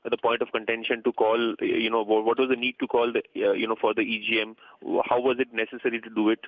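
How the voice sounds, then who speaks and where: Male caller, quick and monotone, polite but stumbling, narrow telephone sound. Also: mid-range voice, no room sound. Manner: polite, halting, repeats himself. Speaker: caller asking questions. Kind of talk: conference call questioning. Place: phone call. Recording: tinny phone line, very dry.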